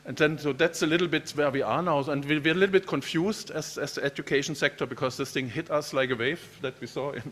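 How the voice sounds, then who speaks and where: Chatty professor giving keynote. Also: male voice, on the high side, fast, hardly any pauses, fairly bright tone. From Germany. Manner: friendly, chatty, repeats words while speaking. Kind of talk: keynote lecture.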